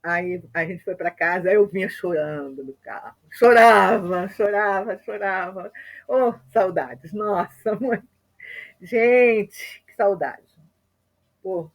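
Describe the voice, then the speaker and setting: A woman leading a group who tells a personal story in a chatty, halting way. She keeps checking in with her listeners through short tag questions. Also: lowish voice, animated. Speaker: group facilitator.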